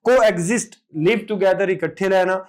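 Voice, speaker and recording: A man teaching exam vocabulary, drilling word after word in an animated lecture. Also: sits high, normal speed. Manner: lively, emphatic word-drilling with repeated "ठीक है".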